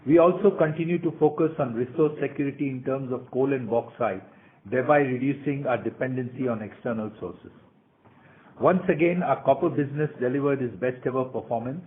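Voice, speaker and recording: A man in the role of a company executive, formally reading prepared remarks for an earnings call presentation. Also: medium pitch. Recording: tinny, narrow phone conference line.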